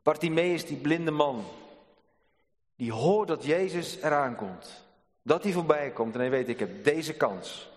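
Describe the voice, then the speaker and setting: A male pastor preaching a sermon in a church, earnest and measured, with dramatic pauses. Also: on the high side, animated. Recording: long church reverb.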